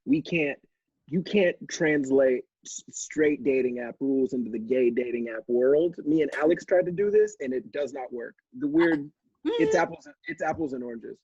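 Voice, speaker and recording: A man guesting on a podcast, explaining in a measured way, with slightly dull, muffled audio. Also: medium pitch, a little mellow, breathy edge, no echo. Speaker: guest comedian. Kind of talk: casual chat.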